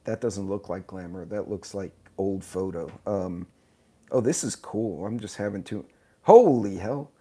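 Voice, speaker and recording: A hoarse man with a lowish, dark, mellow voice hosts a loose live stream from a tablet. He rambles, fumbles with settings, mocks himself and greets viewers one by one. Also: measured pace. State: hoarse from sinuses. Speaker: channel host. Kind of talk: casual live stream chat. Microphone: tablet mic in vertical live stream.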